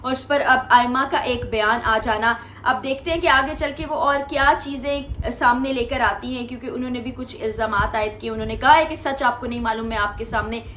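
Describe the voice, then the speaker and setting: A woman's voice: on the high side, brisk, hardly any pauses, fairly bright tone. A woman with a Pakistani accent recapping celebrity news for viewers in an explanatory way, often paraphrasing what others said. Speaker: host commenting on celebrity news. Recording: echoey room with faint background noise.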